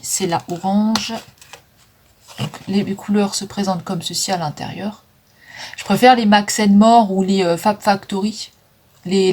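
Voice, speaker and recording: Woman, casual vlog chat, filler-heavy, phone mic, faint background noise. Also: mid-range voice. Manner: chatty, filler-heavy, stumbles on English names. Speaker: vlogger selling makeup. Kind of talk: casual makeup declutter vlog.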